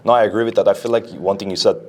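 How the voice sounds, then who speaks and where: A man's voice: on the low side, fairly even intonation, very fast, a little hiss or hum. A man in his twenties from Iran, with a slight Iranian Armenian accent, talking easygoingly as a podcast guest. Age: 20s. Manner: easygoing, many "like" fillers. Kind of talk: casual podcast chat.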